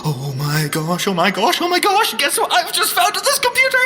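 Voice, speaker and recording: An actor with a Scottish accent playing an excitable, jokey young secret agent and tech geek in an audio drama. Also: male voice, extremely high pitch, brisk, big-room sound, a little hiss or hum, heavily acted. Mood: excited. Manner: playful, jokey, enthusiastic. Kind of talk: audio drama field banter.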